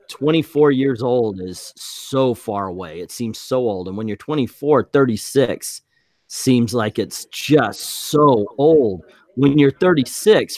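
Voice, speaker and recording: A man's voice: medium pitch, darkish tone, dry recording. A man in his forties chatting casually on a stream, joking and self-deprecating. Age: 40s. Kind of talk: casual chat.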